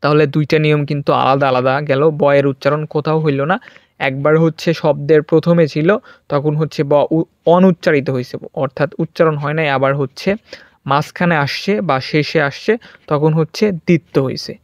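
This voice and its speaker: A young male tutor works patiently through grammar rules for an exam class. He keeps repeating key points and checks in with his students as he goes. His slightly high voice comes through a dull, dry, lo-fi recording. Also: steady tone, fairly quick, dry recording. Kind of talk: exam-prep grammar lesson.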